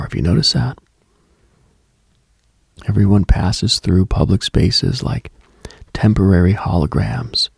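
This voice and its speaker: A man with a very low, heavily husky voice delivers a contemplative late night radio monologue. He is hushed and brooding, leaving long deliberate pauses. The sound is close and very dry. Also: no room sound. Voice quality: husky, gravelly.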